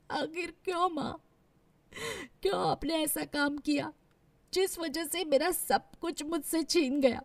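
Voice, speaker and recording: Lady doing a heartbroken young woman for an audio story, high tearful voice, pleading, dry close sound. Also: a little mellow, no echo, exaggerated voice. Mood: tearful anguish. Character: grieving, bitter young woman doctor addressing her dead mother. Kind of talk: dramatic audio story acting.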